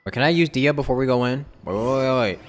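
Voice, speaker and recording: A man's voice: medium pitch, fast. A man giving chatty, reactive live commentary as a game streamer. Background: game music.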